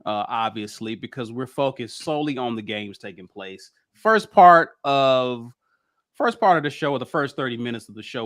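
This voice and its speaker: Man, sports show host, upbeat, mid-pitched, dry close mic. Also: fairly bright tone, no echo. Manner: upbeat, rapid show intro with plugs. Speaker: podcast host. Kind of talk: casual sports talk.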